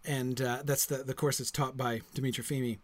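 A man's voice: mid-range voice, little pitch movement, fairly quick. A man hosting a reading event, speaking casually and rambling with many fillers. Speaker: event host. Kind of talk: casual remarks between readings.

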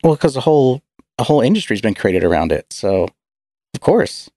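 A man co-hosting a podcast in casual chat, speaking haltingly and stuttering, with low energy. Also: very animated, dark tone, no room sound. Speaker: podcast co-host.

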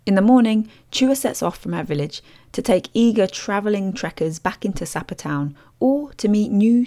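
A woman host reading scripted documentary narration in a measured, descriptive storytelling manner as a studio voice-over. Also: medium pitch, a little mellow.

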